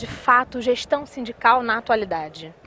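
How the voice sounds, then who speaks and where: Noticeable background noise under a woman speaking at a fairly high pitch. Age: young. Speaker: TV interviewer. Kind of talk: interview. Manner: formal.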